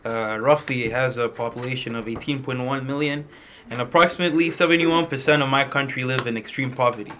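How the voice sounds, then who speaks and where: Young male student, bright tone, informal storytelling to a small group. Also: medium pitch, fast talker, slight background noise. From Malawi. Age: young adult. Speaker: international student speaker. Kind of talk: personal testimony to a small group.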